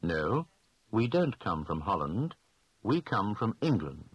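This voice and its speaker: A man giving slow, clearly spoken answers in a scripted language lesson drill. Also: lowish voice, very animated, no echo, lo-fi sound.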